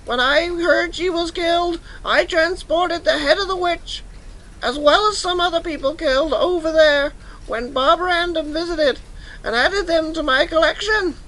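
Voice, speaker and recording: Wicked, vain young-royal villainess for fantasy audio play; extremely high, sharp voice, theatrical menace. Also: female voice, unhurried, low-quality recording. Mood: gloating. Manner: gloating, threatening, theatrical. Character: evil vain scheming princess wearing a wicked witch's head. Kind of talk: audio drama acting.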